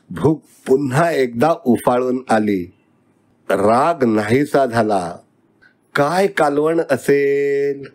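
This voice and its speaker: A man reading his own story aloud as narrator, slow and deliberate. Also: medium pitch, a little mellow.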